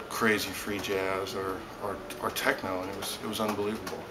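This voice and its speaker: A man with an American accent speaks at a fairly low pitch in a monotone, flat intonation. Room echo is audible and background noise is noticeable. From US Midwest, Detroit area, Michigan. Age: 30s. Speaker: musician. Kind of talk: interview talk.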